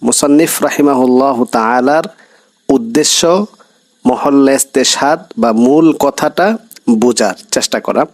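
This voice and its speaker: A man's voice: medium pitch, rough recording. A man teaching an Arabic grammar class, reading Arabic text and explaining it in Bengali with quiz-style questions to students.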